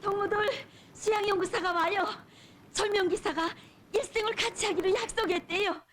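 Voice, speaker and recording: Very high-pitched, excitable North Korean girl. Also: moderate pace, noisy background. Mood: excited. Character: excitable, girlish young female worker, playful and bubbly. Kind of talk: North Korean film drama acting.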